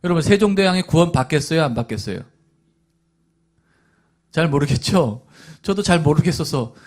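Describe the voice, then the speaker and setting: A male pastor delivering a sermon in a fairly high voice, for a man. He tells his story in a loose, chatty way, with asides and small chuckles. Between the anecdotes he rouses the congregation. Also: animated, normal speed, darkish tone. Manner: rousing calls to the congregation.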